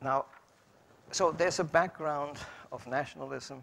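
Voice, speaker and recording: A man with a German accent, vocal fry, and a moderate pace. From Germany. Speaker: professor. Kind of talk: lecture. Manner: formal.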